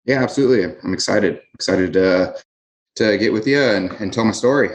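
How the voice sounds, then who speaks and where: A man with a North Dakota accent answering questions as an interview guest, casual and a little halting in his phrasing. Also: fairly low pitch. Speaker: interview guest, business owner. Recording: roomy, echoey sound.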